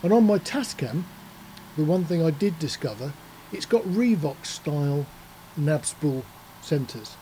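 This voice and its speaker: A man's voice: a little high, expressive, unhurried, warm tone, a little hiss or hum, low-quality recording. A man giving a casual explainer as a presenter, talking in a matter-of-fact, conversational way, step by step. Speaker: presenter of an audio gear channel.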